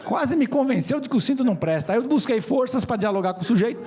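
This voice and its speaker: São man, lively comic storyteller, high voice, slangy. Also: quick pace. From São Paulo, Brazil. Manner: animated, joking, slangy. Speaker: speaker at an event. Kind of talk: comedic storytelling talk. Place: stage at a conference.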